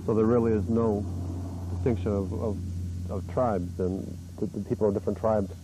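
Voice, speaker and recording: Man, TV show host, gentle questions, affirming, low dark voice, faint tape noise. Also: fairly even intonation, normal speed. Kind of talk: TV interview. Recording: 1980s cable TV studio tape, faint noise.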